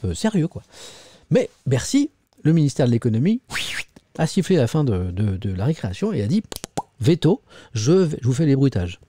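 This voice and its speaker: Chatty man reviewing the press, dark voice. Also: mid-range voice, husky, dry recording. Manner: chatty, reads editorials aloud and comments, talks to the chat. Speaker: host of a morning press review stream. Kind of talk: casual live press review.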